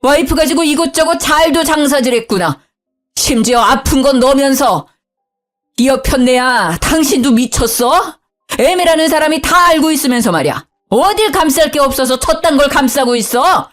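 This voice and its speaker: A woman voicing an elderly father-in-law who scolds loudly and pleads softly, in a storybook reading. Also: normal speed, faint music behind, natural voice. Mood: furious. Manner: booming scolding, then low humble pleading.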